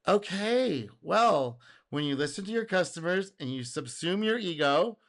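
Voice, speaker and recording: A man hosting a casual reaction video, speaking in an animated way, laughing and acting out quotes, his voice going a little hoarse. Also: high-pitched, a little slow. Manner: animated, exclaims and laughs, acts out customer quotes. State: getting hoarse.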